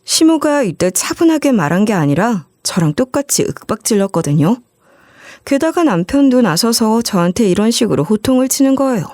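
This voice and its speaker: A woman's voice: a little high, big pitch swings, normal speed, darkish tone, dry recording, clean studio sound. A woman narrating a first-person story in a conversational, scripted way. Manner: conversational retelling.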